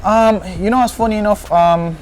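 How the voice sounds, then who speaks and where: A man's voice: high-pitched, moderate pace, darkish tone, a little hiss or hum. A man from Jamaica with a Jamaican accent, chatting casually in patois-flecked English as an interview guest. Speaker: interview guest, car content creator.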